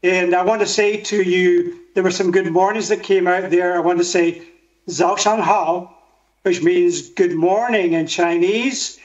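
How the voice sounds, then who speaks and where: An older man from Scotland with a Highland accent, giving a keynote by video call and asking the audience questions. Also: fairly even intonation, unhurried, roomy sound. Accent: Scottish Highland. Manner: interactive, asks the audience questions. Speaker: keynote speaker. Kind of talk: conference keynote over video link. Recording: dull lo-fi video call audio.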